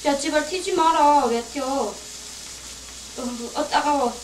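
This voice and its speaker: A woman's voice: high voice, slow pace, roomy sound, recorded from a distance, slight background noise, poor audio. A woman vlogger talking playfully to her viewers while she cooks, chatting to herself as she goes. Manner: playful, talks to herself while cooking, giggly. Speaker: cooking vlogger. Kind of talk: chatty cooking demonstration. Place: kitchen. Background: frying and sizzling food.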